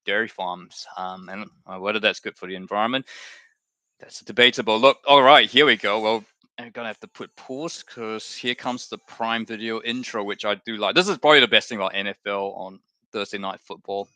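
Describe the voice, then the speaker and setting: A man's voice: lowish voice, brisk, bright, forceful tone, no room sound. A man from Malaysia hosting a live watchalong stream, chatting in a rambling, self-correcting way. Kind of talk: casual watchalong chat.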